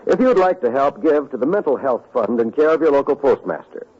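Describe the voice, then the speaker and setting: A male radio announcer reading an earnest, measured public service appeal. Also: medium pitch, animated, a little mellow. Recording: muffled vintage radio recording.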